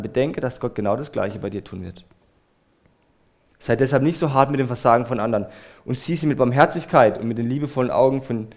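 Man, preacher, sermon, earnest, emphatic, middle pitch, talks straight to listeners, quiet phrase endings.

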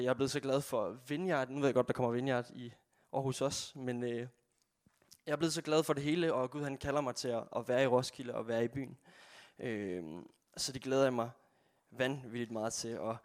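A young man in his twenties from Jutland, giving an earnest, halting personal testimony and prayer in church. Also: medium pitch. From Jutland, Denmark. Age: 20s. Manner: earnest, halting, with frequent pauses.

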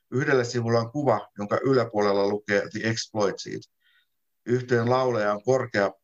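Male author, low voice, steady literary reading, muffled lo-fi sound. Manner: calm, measured first-person narration. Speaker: author reading his own text. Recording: dull lo-fi sound.

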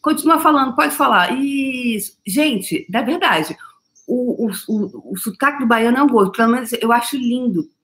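A woman from Brazil hosts a live stream workshop in an animated, playful voice. She laughs often and drifts into repeated, chant-like phrases between loose, chatty stretches. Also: a little high, normal speed. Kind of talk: casual spiritual coaching live stream.

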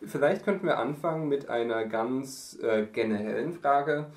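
A man hosts a podcast in a friendly way, asking questions and summing up what his guest says. His voice sounds echoey and a bit far from the mic, as if he were in a bare room. His pitch is in the middle range. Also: normal speed. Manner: friendly, guiding questions, summarizing. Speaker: podcast host. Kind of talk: casual podcast interview.

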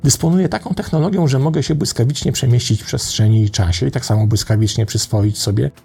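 A man reads a glowing traveler from the stars in a calm, matter-of-fact voice with a gravelly edge. The traveler stays unhurried, as in a spoken parable. Faint music sits under the voice. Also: medium pitch, lightly acted. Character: calm, curious male space traveler of light.

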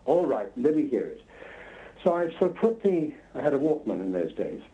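A man's voice: medium pitch, very animated, normal speed, warm tone. A man being interviewed as a guest, telling anecdotes conversationally in a hesitant, self-interrupting way. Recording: slightly dull, lo-fi sound.

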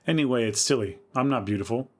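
A man's voice: medium pitch, fast talker, a little mellow, natural voice. A man reading the part of a bold, thrill-seeking unmarried woman in her thirties in a dramatic story reading. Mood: defiant. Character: spirited thirty-three-year-old unmarried woman.

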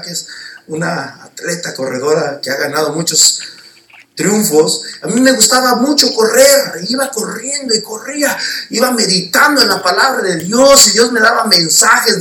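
High-pitched, forceful preacher. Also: male voice, a little hiss or hum. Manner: emphatic, rising to shouts at peaks. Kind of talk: sermon with personal testimony. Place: church hall. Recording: roomy church sound from a distant mic.

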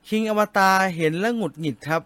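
A man with a fairly high voice chats in an easygoing, polite way. He closes his sentences with soft courtesy words. The recording is dry and close. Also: fast, no echo. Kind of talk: casual chat about novels and cartoons.

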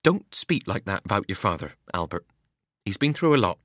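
A man reading aloud and voicing a worried, weary farm mother who speaks softly and reprovingly. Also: lowish voice, big pitch swings, normal speed, husky, dry recording, clean studio sound, full character voice. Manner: soft, reproving.

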